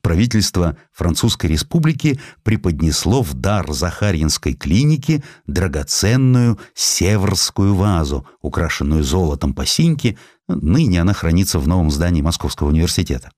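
Guy reading an audiobook, lowish voice, really animated and dramatic delivery, dry studio sound. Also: normal speed, no echo. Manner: dramatic, emphatic storytelling. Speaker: audiobook narrator. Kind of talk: expressive scripted literary narration.

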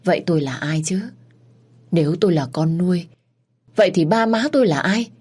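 A woman narrating a first-person story in a soft, sorrowful storytelling manner. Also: fairly low pitch, lively intonation, a little fast, husky.

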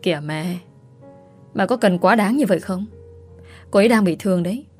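A woman's voice: medium pitch, normal speed, a little mellow, breathy edge, faint music behind, close to an everyday voice. A woman voicing a worried young husband pleading with his mother in a spoken story.

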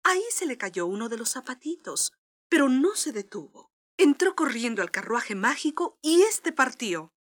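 A woman's voice: high-pitched, sing-song, moderate pace. A woman narrating a scripted children's story as a storyteller.

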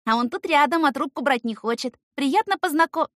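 A cheeky little girl from an audiobook, chirps in a high, ringing voice. Her excitable sing-song delivery swings widely up and down, and the sound is dry. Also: brisk, no room sound. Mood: chirpy, excited. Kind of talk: scripted audiobook character voice.

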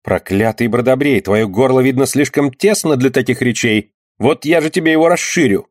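A man voicing a sharp-tongued, pious young townswoman who scolds and accuses in a shrill way. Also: normal speed, no room sound, studio quality, close to an everyday voice. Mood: furious.

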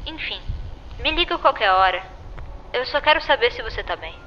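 A woman's voice: a little high, animated, moderate pace, sharp tone, long reverb tail, highs cut off, a little hiss or hum. An actress playing a worried young woman who rambles nervously.

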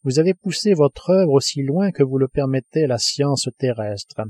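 Brief: male reader as cold, grave submarine commander, dark tone, audiobook. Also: medium pitch, animated, slightly rough, dry recording. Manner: grave, measured. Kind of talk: audiobook reading.

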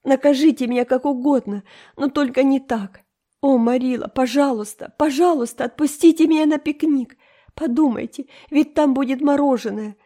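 A woman's voice: medium pitch, fairly even intonation, moderate pace, warm tone, close to an everyday voice. A woman voicing a dreamy, dramatic orphan girl in an audiobook, talking in a theatrical, emotional way. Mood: pleading. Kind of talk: audiobook character reading.

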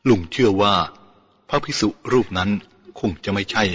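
Man voicing an old uncle, anxious, earnest, low voice, muffled lo-fi sound. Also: a bit bright, breathy edge, big-room sound. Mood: pleading. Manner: slow, shaky, then firm and earnest. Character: elderly male Brahmin uncle, anxious and protective. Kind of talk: audiobook character voice. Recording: dull lo-fi with faint music.

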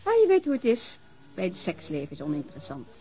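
Frank, inquisitive woman with lively intonation. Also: fairly low pitch, fairly quick. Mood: frank, coaxing. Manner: informal, probing, with short questions. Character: frank, inquisitive woman hosting a guest at home. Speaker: actress in a radio crime drama. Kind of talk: naturalistic Dutch radio drama dialogue.

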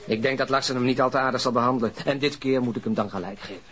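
A man plays a grumbling detective in a radio drama. He talks bluntly and quickly in a medium-pitched voice. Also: a bit bright, natural voice.

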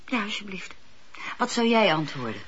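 An actress playing a sensible, doubtful woman in a Dutch radio drama, with a husky voice. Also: medium pitch, very animated, moderate pace, a bit bright. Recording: dull lo-fi radio play recording.

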